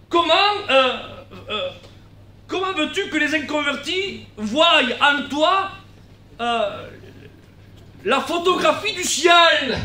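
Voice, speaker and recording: A man with a southern French accent preaching a sermon as guest pastor, building to shouts and dropping into quieter asides, often repeating himself. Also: very high-pitched, a little hiss or hum. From South of France. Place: church hall. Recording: echoey church, from far off.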